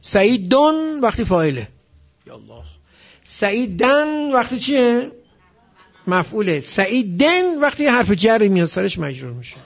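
A man's voice: high-pitched, big pitch swings, creaky, highs cut off. A man teaching a class, explaining grammar and drilling examples aloud. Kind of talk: classroom lecture.

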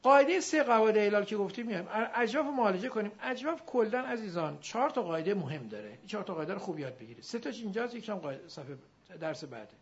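A male teacher giving a classroom grammar lesson, drilling his students and drawing out example words slowly. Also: high voice, sing-song. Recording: dull lo-fi recording.

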